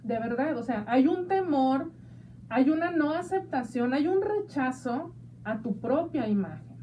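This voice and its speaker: A woman with a Mexican accent hosting a talk show, chatty and playful, speaking warmly to her listeners. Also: high voice, expressive, unhurried, far from the mic, slight background noise. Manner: chatty and playful, calls listeners "hija de mi vida". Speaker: radio show host. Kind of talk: casual talk show chat.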